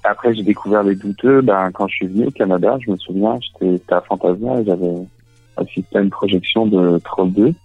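A Frenchman from France, guest on a casual phone interview, speaks hesitantly as he hunts for words, in a lowish, slightly rough voice at a somewhat fast pace. There's no room sound, but the dull, band-limited phone line carries faint music in the background.

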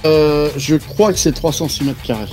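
A man's voice: on the high side, moderate pace, darkish tone, faint music behind. A man answering quiz questions in casual radio chat, hesitant and thinking aloud. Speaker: quiz contestant and fellow presenter.

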